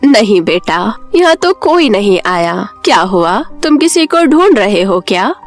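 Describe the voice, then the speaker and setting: A woman voicing a kindly old blind village woman in a storybook tale, gentle and calm. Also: mid-range voice, unhurried, soft background music.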